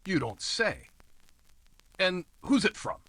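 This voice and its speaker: A man's voice: high-pitched, big pitch swings, slow pace, pushed and bright, no room sound, full character voice, rough recording. An actor playing a nosy, slimy apartment house manager who wheedles in tough-guy slang, in old-time radio noir style. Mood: prying, falsely friendly.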